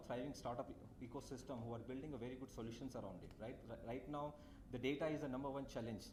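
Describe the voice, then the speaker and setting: Audible room echo surrounds a man who speaks very fast at a medium pitch with ordinary pitch variation. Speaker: tech company speaker at conference. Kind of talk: conference presentation. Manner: halting, many fillers.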